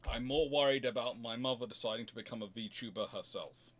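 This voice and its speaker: Bright-voiced man, rambling and wry. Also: medium pitch. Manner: halting, digressive, self-interrupting. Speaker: livestream host answering chat. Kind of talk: casual rambling livestream chat.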